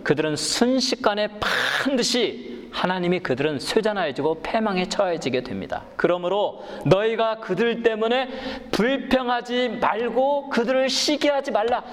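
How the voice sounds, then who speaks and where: Man, middle-aged pastor, preaching sermon, fairly high voice, long reverberant hall, animated delivery. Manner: animated storytelling, acting out quarrels, swings from low calm to loud high emphasis.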